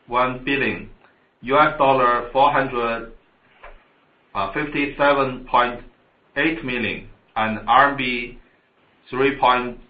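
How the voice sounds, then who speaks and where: A man formally reading a scripted financial report as a company finance chief, halting over the figures. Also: medium pitch. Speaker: chief financial officer on an earnings call. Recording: dull, echoey conference call audio.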